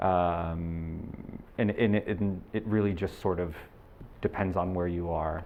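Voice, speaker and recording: A man with an American accent speaks at a fairly slow pace in a very deep, low pitch, his intonation monotone and flat, with long, frequent pauses. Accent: American accent, noticeable. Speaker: private equity professional. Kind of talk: panel discussion. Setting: room with audience. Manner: hesitant, many fillers.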